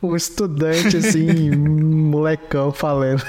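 Jokey brazilian man, a bit higher voice. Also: steady tone, unhurried, a little mellow. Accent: Brazilian Portuguese. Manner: teasing, jokey, slangy. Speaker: podcast co-host. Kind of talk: casual tech podcast chat.

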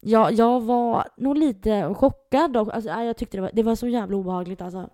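A young woman co-hosting a podcast recounts a story casually and with animation, imitating the voices she quotes. She speaks at a fairly high pitch with a dark, mellow tone, recorded close and dry with no room sound.

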